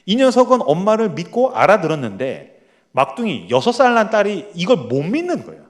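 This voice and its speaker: Animated male pastor telling a sermon story. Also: sits high, brisk, in a large hall. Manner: animated storyteller acting out family dialogue. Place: church, evening prayer meeting.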